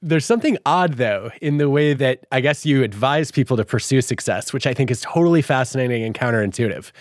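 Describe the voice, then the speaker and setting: A man's voice: medium pitch, lively intonation, fairly quick, no room sound, studio quality. A man hosting an interview podcast who asks questions with curious enthusiasm. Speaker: podcast host, psychologist.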